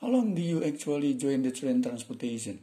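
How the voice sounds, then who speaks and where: A man voicing a young male office worker who chats with a coworker after work, reading his English lines slowly and carefully. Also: mid-range voice, sing-song, warm tone, pitched above the performer's own voice, lightly acted. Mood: friendly.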